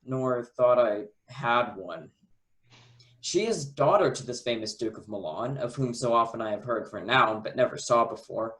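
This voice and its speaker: A man's voice: mid-range voice, a bit bright, close to an everyday voice. A man playing a devoted, courtly young prince in a Shakespeare radio play.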